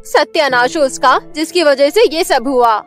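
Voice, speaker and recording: A woman's voice: high voice, normal speed, faint music behind, lightly acted. A woman voicing a nagging, scornful stepmother in a cartoon story. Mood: scolding. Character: scolding mean stepmother, middle-aged woman. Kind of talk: cartoon voice acting.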